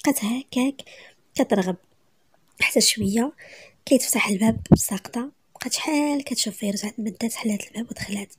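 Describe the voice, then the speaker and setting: A woman with a Moroccan Arabic accent narrating a dramatic story softly, often half-whispered. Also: on the high side, fast, pauses often, slight background noise.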